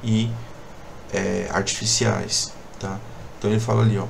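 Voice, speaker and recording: A man talks in a flat monotone at a fairly low pitch. Light background noise sits behind him. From Brazil. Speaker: teacher. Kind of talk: lecture. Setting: video call. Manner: hesitant, many fillers. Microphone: video call.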